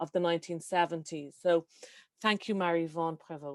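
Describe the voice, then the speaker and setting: A woman speaks fairly quickly in a fairly low voice. Her intonation is flat and monotone, and the sound is dry and close with no echo. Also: quiet background. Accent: Irish. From Ireland. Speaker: webinar moderator. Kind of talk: panel moderation.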